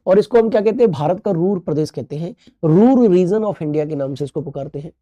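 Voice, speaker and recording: A man's voice: high-pitched, lively intonation, fairly quick, warm tone, no room sound, lo-fi sound. A male teacher giving a recorded class, playful, repeating key terms and asking the class questions. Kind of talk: recorded online class lecture.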